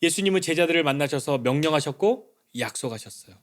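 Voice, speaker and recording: A man's voice: animated, fast. Conversational male pastor preaching. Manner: conversational preaching, acts out quoted dialogue; drops to soft, low lines for emphasis. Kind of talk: Sunday sermon.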